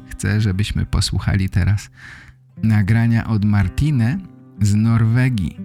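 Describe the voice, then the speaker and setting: A man hosting a language-learning podcast, speaking in simple, measured, appreciative sentences. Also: lowish voice, a little mellow. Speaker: podcast host for learners of Polish. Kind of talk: slow, simple scripted talk for language learners.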